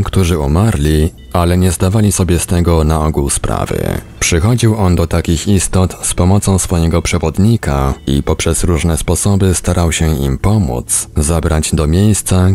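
A man with a very low voice and a creaky, gravelly edge reads a book aloud. He delivers it as scripted first-person narration, in the role of an audiobook reader. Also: mellow.

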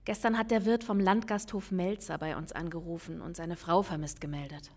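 A woman's voice: lowish voice, fairly even intonation, a little fast. An actress playing a reassuring, informal female police lieutenant in a crime audio drama. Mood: conversational.

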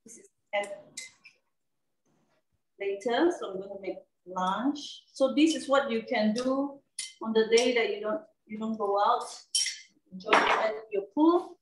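A cooking show host walks through her demonstration in a slightly high voice at a measured pace, keeping it casual with lots of fillers and repeated "okay?" checks. The room echoes, the mic sits at a distance, and there's background noise.

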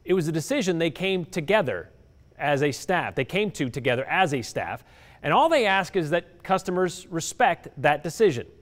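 A man's voice: a little high, big pitch swings, moderate pace, big-room sound. A middle-aged man presenting a scripted TV news report in a studio, with an emphatic anchor delivery. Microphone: lapel mic.

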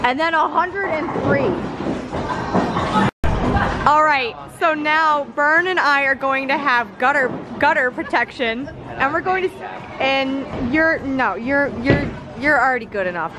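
A woman's voice: high voice, unhurried. A woman vlogging with a handheld camera, chatting playfully and narrating a bowling game as she plays. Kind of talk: casual vlog commentary. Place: busy bowling alley, indoors. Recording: loud crowded bowling alley noise. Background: loud crowd and alley noise.

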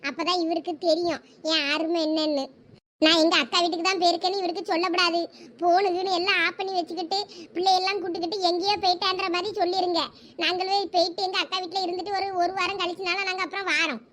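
A woman with a Thoothukudi accent plays village women in a comedy sketch, her voice very high and bright. She talks in gossipy, scolding chatter. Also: little pitch movement, quick pace. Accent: Thoothukudi Tamil.

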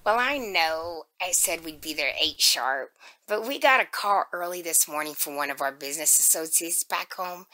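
A woman's voice: lowish voice, bright, forceful tone. A woman playing a polite, chatty client in a radio drama. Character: polite, chatty female client phoning a professor.

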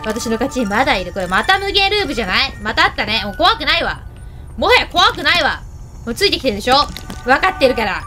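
A woman giving lively gameplay commentary, chatting to the game characters and to her viewers. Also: sits high, fast, faint music behind. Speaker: game video host.

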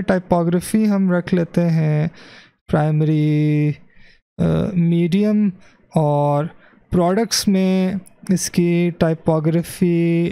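A man's voice: a little high, gravelly, warm tone, dry recording. A man teaching web design over a screen recording, thinking aloud and correcting himself as he goes, dropping English phrases into his explanation. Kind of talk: screen-recorded software tutorial.

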